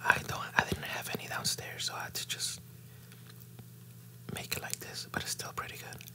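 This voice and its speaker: Someone whispers at a moderate pace. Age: 20s. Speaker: ASMR creator. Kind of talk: casual talk to camera. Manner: whispered. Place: home room. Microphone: studio mic.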